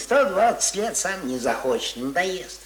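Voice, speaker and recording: A man's voice: high voice, big pitch swings, measured pace. An actor in a radio play voicing a grumbling, stubborn old village man with sarcastic, rustic speech. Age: older. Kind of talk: radio play acting of rural folk dialogue. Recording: roomy, echoing radio drama recording.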